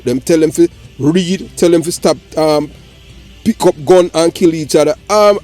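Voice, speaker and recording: A Jamaican man ranting on a live political talk show, forceful and repetitive with many restarts. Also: a little high. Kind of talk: heated political call-in talk.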